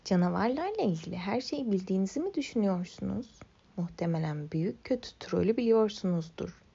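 A young woman tells a children's story in the first person, gentle and wistful. Her voice is mellow with a gravelly fry underneath. The recording has a slightly muffled, lo-fi sound. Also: medium pitch.

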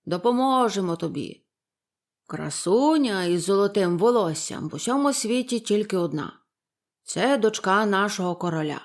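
A woman voicing two kindly fishermen in a storybook, speaking lower and slower than her own voice. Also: lively intonation, lightly acted. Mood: confiding. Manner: low, slow, homely telling. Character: two grateful old fishermen, plain and kindly.

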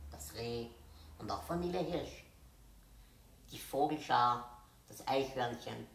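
A woman reading a children's Christmas story aloud as host, gentle and unhurried. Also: very deep voice, slight background noise. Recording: roomy echo.

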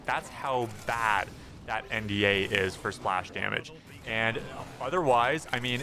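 A young man, slightly hoarse, talking casually and earnestly about gaming news as a channel host, repeating words for emphasis. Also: mid-range voice, pushed and bright, slight background noise. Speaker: gaming YouTuber. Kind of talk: casual commentary on game news.

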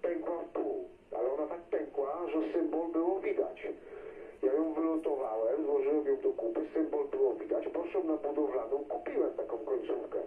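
A man's voice: fairly high pitch, normal speed. A Polish man chatting casually as a CB operator over a radio transmission. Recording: tinny, noisy CB radio signal, far and echoey.

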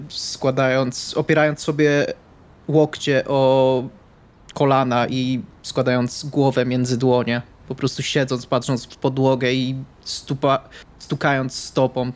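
A man playing a tabletop role-playing game, describing what his character does. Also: mid-range voice.

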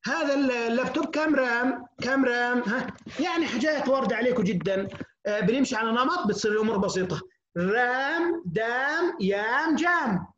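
A woman's voice: on the high side, lively intonation, background noise. A woman teaching English to beginners, repeating and stretching out each sound patiently as she drills it. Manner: drawn-out, repetitive drilling of sounds. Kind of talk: online lecture for beginners. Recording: roomy, dull lo-fi recording.

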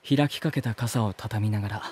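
A man's voice: lowish voice, fairly quick, darkish tone, husky. An actor playing an earnest, polite man who narrates his journey reflectively in an audio drama. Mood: reflective narration.

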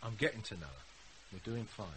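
An actor playing an amiable, easygoing man helping a troubled household, casual and gently teasing, in a naturalistic radio drama. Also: on the low side, animated, moderate pace, close to an everyday voice, rough recording. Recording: hissy radio drama recording.

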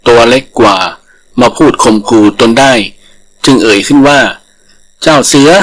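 A man's voice: mid-range voice, moderate pace, rough recording. A man reading a scripted folktale as a storyteller.

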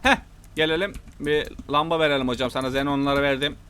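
A young man giving excited gameplay commentary, shouting exclamations, repeating his lines and laughing often as he plays. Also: fairly high pitch, quick pace. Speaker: gameplay streamer.

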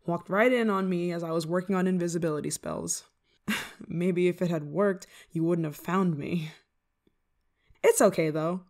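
A woman's voice: on the low side, natural voice. A woman playing an eager, affectionate, scatterbrained novice witch in an ASMR roleplay, coaxing the listener in a giggly manner. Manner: giggly, coaxing, hesitant asides. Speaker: roleplay voice performer.

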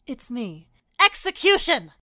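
Woman doing bossy severe anime senpai, highish forceful voice, formal and commanding. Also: very animated, measured pace, no room sound, full character voice. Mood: cold fury. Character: stern, imperious older schoolgirl passing sentence. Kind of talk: anime fan dub voice acting.

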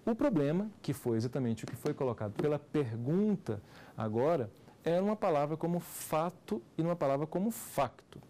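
A man's voice: a little high, big pitch swings, moderate pace, mellow, slight background noise. A middle-aged Brazilian man with a Brazilian Portuguese accent, a law professor giving a televised lecture and explaining with rhetorical questions.

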